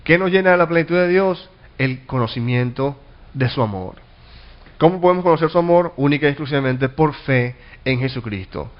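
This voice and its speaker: A man's voice: on the high side, a little fast, dull audio. A man preaching a sermon as a pastor, teaching earnestly, restarting and repeating words, and asking rhetorical questions that he answers himself. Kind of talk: sermon Bible study.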